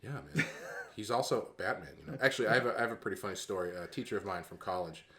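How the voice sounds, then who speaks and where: Man, podcast co-host, slightly low voice, relaxed, hesitant delivery. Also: fast talker. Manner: relaxed, hesitant, full of fillers and restarts. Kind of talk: casual podcast chat.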